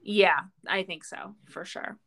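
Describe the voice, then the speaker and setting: A woman's voice: medium pitch, slow, vocal fry, fairly bright tone, no room sound, studio quality. A woman co-hosting a podcast, speaking in an informal, chatty way. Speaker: podcast co-host. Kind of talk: casual chat and read sponsor spots.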